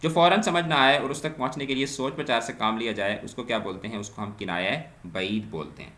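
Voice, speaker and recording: Bright-voiced man teaching in an echoey room. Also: medium pitch. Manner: asks a question, then answers it, adding "theek hai?" and English terms. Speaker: Urdu teacher. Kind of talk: exam-prep grammar lesson.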